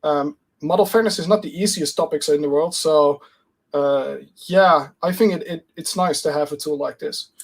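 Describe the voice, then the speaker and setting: Man, slightly high voice. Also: normal speed. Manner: hesitant, many fillers and restarts. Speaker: guest speaker. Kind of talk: conference talk, casual.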